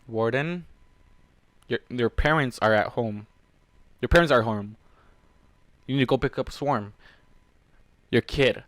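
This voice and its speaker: A man's voice: mid-range voice, takes it slowly, vocal fry, long pauses, no room sound. Exasperated, swearing man in a dry close space. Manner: profane, exasperated, addresses characters directly. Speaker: fan fiction reader and reactor. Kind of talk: reading a story aloud with angry ranting commentary.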